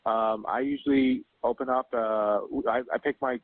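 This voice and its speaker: A man making an emergency call over the phone, halting and flustered, repeating himself as he explains. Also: medium pitch, fairly even intonation. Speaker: emergency caller, father. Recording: noisy, tinny phone line recording.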